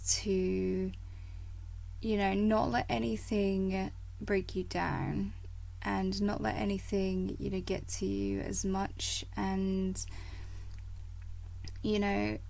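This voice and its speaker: Slow, gravelly-voiced woman podcast host. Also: mid-range voice, level tone, darkish tone, rough recording. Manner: chatty and rambling, many fillers and laughs. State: croaky from a coming cold. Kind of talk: casual motivational podcast monologue.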